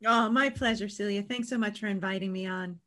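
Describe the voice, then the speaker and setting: Middle aged woman, podcast guest chatting about her work, medium pitch. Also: steady tone, a little fast, fairly bright tone. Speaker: podcast guest, sexual empowerment coach. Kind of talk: conversational interview.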